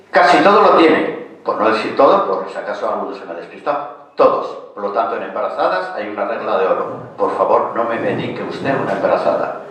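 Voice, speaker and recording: A man's voice: mid-range voice, a bit bright. An older man from Spain with a Castilian accent gives an informal lecture, colloquial and didactic, putting questions to his listeners. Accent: Castilian Spanish. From Spain, raised in Asturias. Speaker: lecturer and author on medicinal plants. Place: echoing lecture room at a cultural center. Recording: very echoey hall, distant microphone.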